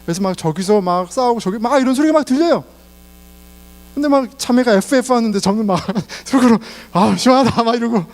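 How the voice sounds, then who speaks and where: A man's voice: extremely high pitch, expressive, a little fast, a little mellow. A middle-aged man preaching a sermon in Korean, telling personal stories and laughing along the way. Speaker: pastor.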